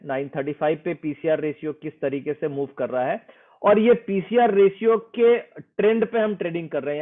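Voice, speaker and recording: A man explaining a trading method in an interview, earnest and persuasive, slipping English phrases into his speech. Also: on the high side. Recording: tinny phone-like sound.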